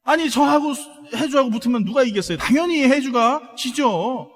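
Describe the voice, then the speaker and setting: Man, pastor, high voice, emphatic sermon, soft to loud swings, calls for responses. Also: expressive, normal speed.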